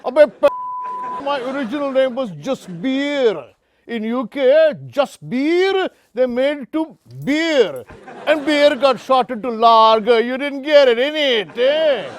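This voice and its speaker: Man putting on a brash British Punjabi guy, very high voice, mock British Punjabi accent, slangy and cocky. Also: expressive, slow, slight background noise, full character voice. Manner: cocky slangy banter with "innit" and "mate". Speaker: comedy interview guest. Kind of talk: sketch comedy.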